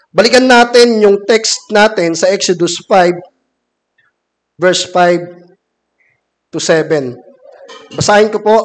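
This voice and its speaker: A Filipino man in his thirties preaching a measured sermon from a wooden pulpit in a church hall, reading scripture aloud. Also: high-pitched. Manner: measured, reads scripture from a laptop. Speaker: deacon preaching. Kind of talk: sermon mixing Filipino and English.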